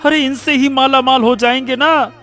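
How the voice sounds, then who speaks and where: A man voicing a greedy, excitable village man in a cartoon story who laughs and hurries. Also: very high-pitched, moderate pace, soft background music. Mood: scheming. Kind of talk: Hindi cartoon voice acting.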